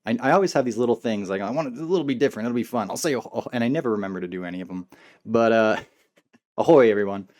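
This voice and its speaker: A man's voice: on the low side, racing, a little mellow. A man co-hosting a casual gaming podcast, joking and trash-talking rage quitters. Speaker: podcast co-host.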